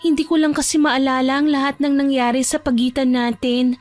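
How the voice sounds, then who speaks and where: A woman acts out a young cousin in an audio drama, all sweetness and apology. The voice is high and pleading, seemingly innocent. It is recorded dry over music. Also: flat delivery, a little fast, no echo, close to an everyday voice. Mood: apologetic.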